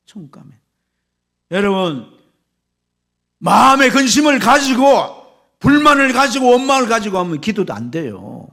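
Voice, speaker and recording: A man, a pastor, preaching a sermon with fervor, swinging from loud exclamations to hushed whispers. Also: mid-range voice, creaky, husky.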